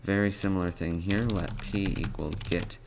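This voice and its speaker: A man presenting an unscripted programming tutorial, thinking aloud in a halting way as he types out code. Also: low-pitched, steady tone, noisy background.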